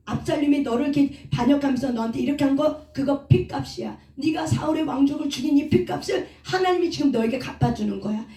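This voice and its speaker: A contemptuous, jeering man spits curses at a fallen king, as a woman preacher puts him on mid-sermon. The voice sits fairly high and mellow. The room rings around it, and the mic is set well back. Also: quick pace, hardly any pauses. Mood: angry, jeering. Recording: roomy sound from a distant mic.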